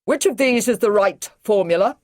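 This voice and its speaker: A woman voicing a brisk, commanding male army brigadier in an audiobook, giving clipped, urgent orders. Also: mid-range voice, lively intonation, a little mellow, no room sound, clean studio sound, pitched above the performer's own voice, lightly acted. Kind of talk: audiobook character reading.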